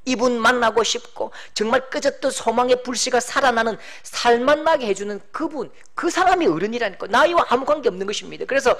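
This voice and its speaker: A middle-aged pastor preaching a sermon, animated, acting out quoted voices and shouting for emphasis. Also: male voice, very high-pitched, a little fast, hardly any pauses.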